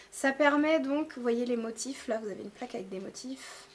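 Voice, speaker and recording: A woman's voice: high-pitched, normal speed, husky. A woman chatting casually to camera about beauty products, hesitant and full of fillers. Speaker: beauty vlogger. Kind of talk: casual product haul talk.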